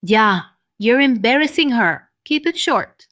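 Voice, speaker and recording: A woman's voice: on the high side, animated, unhurried, fairly bright tone, no echo, clean studio sound. A woman playing an affectionate, bossy middle-aged Latina mother in an audio drama. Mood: scolding. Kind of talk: audio fiction drama acting.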